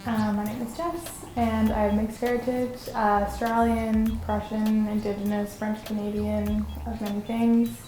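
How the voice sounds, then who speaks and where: A woman's voice: mid-range voice, flat delivery, a little slow, hardly any pauses, over music. Reflective woman in an echoey room. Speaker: collective co-founder. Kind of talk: documentary interview.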